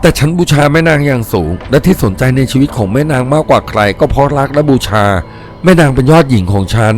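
A man's voice: medium pitch, lively intonation, fast talker, a little mellow, natural voice. Man playing a lovestruck painter, fervently pleading. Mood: adoring. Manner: fervent, stammering, insistent pleading. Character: lovestruck male painter, devoted, pleading with ghost.

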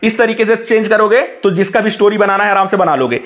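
Over a phone screen recording, a tech tutorial host walks through each step, constantly urging viewers to "look." He talks at a quick pace in a high-pitched, fairly bright voice, keeping things instructive.

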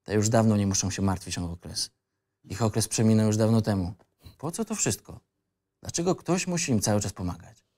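A man's voice: lowish voice, expressive, normal speed, warm tone, close to an everyday voice. An actor playing a disillusioned young man telling his life story in a colloquial, wry, rambling way. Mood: brooding. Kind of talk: first-person narration in a screenplay reading.

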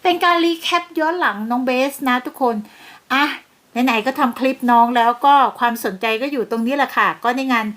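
High-voiced gushing gossip host woman. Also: brisk, a bit bright. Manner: gushing, exclaims and laughs often. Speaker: celebrity gossip channel host. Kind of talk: chatty gossip commentary.

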